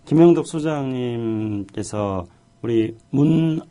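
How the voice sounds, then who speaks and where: A man's voice: medium pitch, expressive, slow pace, dark tone, clear, resonant tone. A middle-aged man as a talk show guest, telling stories in a joking, self-deprecating way. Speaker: guest, policy director.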